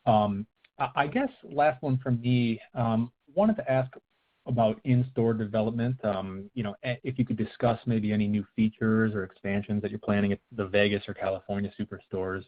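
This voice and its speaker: A man's voice: lowish voice, normal speed. A man asking questions as a financial analyst on a phone call, with hesitant, tentative phrasing. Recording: narrow, tinny phone line.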